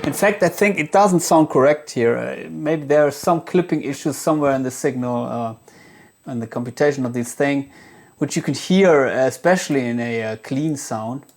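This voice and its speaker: Halting man giving a casual gear demo. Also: mid-range voice. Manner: hesitant, halting, thinking aloud. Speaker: guitar gear reviewer. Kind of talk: casual product demo talk.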